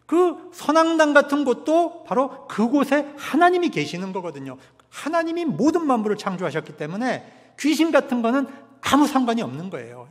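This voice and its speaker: A male pastor preaching a sermon, emphatic, swinging from loud peaks to hushed drops. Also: very high voice. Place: church sanctuary. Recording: long church hall reverb.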